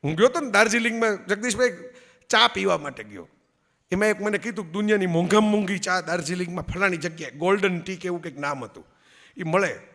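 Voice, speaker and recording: Bright-voiced man telling stories onstage. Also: high voice, expressive, fast, big-room sound. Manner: storytelling, acts out quoted voices, asks audience "barabar?". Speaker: public speaker. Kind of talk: Gujarati public speech with anecdotes. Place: event hall before an audience.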